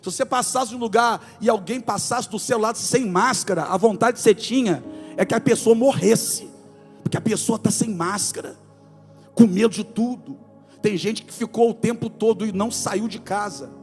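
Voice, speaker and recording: A man in his forties, a pastor with a Brazilian accent from Rio de Janeiro state, preaching an animated sermon in a church, moving between soft asides and loud exclamations. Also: high voice, normal speed, big-room sound, soft background music. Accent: Brazilian Portuguese, Rio de Janeiro state. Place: church sanctuary.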